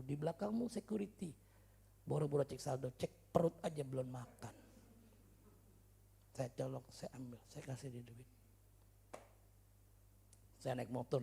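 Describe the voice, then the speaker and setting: A male pastor preaching in a church service with humor and stories, swinging from loud shouts to quiet asides. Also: mid-range voice, gravelly, husky. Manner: humorous, storytelling, chatty slang. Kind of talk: sermon.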